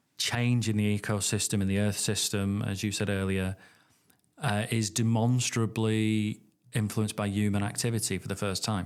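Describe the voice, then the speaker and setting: In a northern English accent, a man speaks at a fairly low pitch and a moderate pace, monotone and flat, on a very clean recording with a silent background. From Northern England. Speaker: academic researcher. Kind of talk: podcast interview answer. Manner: hesitant, thoughtful.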